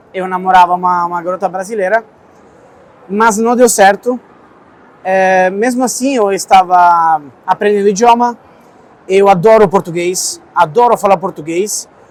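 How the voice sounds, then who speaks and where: A man with an Italian accent speaks at a high pitch and a fairly slow pace. His intonation is fairly even, with long, frequent pauses. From Italy, Pescara (Abruzzo). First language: Italian (speaking Portuguese). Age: 30s. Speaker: Italian teacher, immigrant interviewee. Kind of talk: interview.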